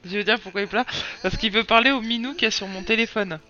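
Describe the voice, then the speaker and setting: A woman's voice: medium pitch, fast talker, sharp tone, muffled recording. A woman streaming a game with casual commentary, soothing a crying child between remarks.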